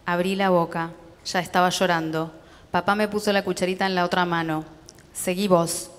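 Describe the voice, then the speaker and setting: A woman with a Rioplatense accent reading a story aloud at a literary festival, in a steady, measured way. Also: fairly low pitch, smooth, big-room sound. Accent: Rioplatense Spanish. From Argentina.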